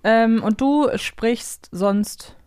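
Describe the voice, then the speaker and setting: A woman's voice: a little high, extremely slow, a little mellow, clear, resonant tone, no room sound, clean studio sound. Woman podcaster with slight northern German accent. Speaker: podcast host. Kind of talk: casual co-hosted chat.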